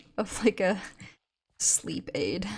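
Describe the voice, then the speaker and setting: Soft-spoken and calm in tone, a woman talks at a very slow pace. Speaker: streamer. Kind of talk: gaming livestream.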